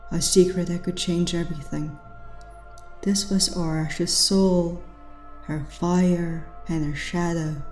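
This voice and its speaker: A woman with an Eastern European accent reads a dramatic story in a measured, solemn manner. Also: on the low side, mellow, echoey room. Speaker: voice actor. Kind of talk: dramatic scripted story narration.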